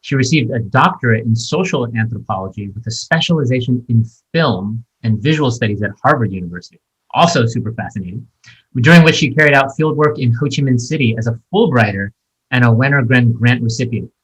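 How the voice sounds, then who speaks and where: A man's voice: mid-range voice, expressive, a little fast, husky, rough recording. A man hosting a podcast interview, introducing a guest and asking questions in an enthusiastic, chatty way with fillers. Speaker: podcast host.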